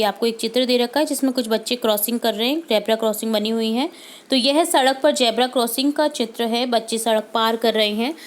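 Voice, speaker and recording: A woman, a teacher going through worksheet answers, patiently repeating each answer slowly and mixing in English words. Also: on the high side.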